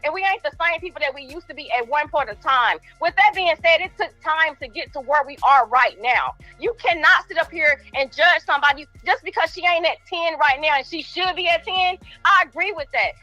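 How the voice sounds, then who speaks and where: A woman in her forties speaks over the phone as a caller to a talk show. Her voice is high and bright with a dry sound, and she argues insistently, circling back to repeat her points, with faint music behind. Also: brisk, hardly any pauses, muffled recording. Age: 40s. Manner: argumentative, insistent, repeats herself. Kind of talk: heated call-in debate.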